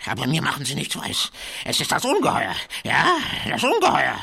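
An actor playing a nervous, crazed old prospector in a German radio play, with a croaky voice that breaks and wavers. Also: male voice, medium pitch, huge pitch swings, moderate pace, sharp tone, full character voice. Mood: crazed, creepy. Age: older. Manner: nervous, slightly mad, giggling.

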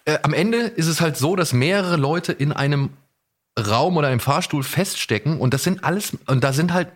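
With a slightly high, animated voice at normal speed, this man hosts a casual podcast conversation on audio dramas. He's enthusiastic and rambling, frequently correcting himself.

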